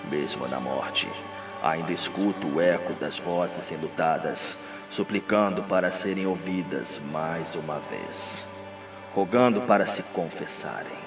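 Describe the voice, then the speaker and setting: Audio drama role: dying old confessor played by a man, hushed low voice, very slow, sorrowful and morbid, music behind. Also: distant mic. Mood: solemn, sorrowful. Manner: slow, drawn-out, grave delivery.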